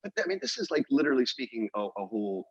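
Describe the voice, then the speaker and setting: A man's voice: mid-range voice, very animated, very fast, husky, no echo, muffled recording. A man co-hosting a podcast, telling a story in casual chat with lots of restarts and fillers. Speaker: podcast co-host.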